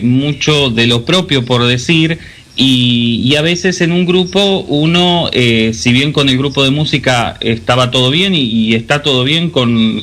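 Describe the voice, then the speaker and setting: A man, a musician answering interview questions in a relaxed, rambling way with many restarts. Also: mid-range voice. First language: Spanish. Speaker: musician guest.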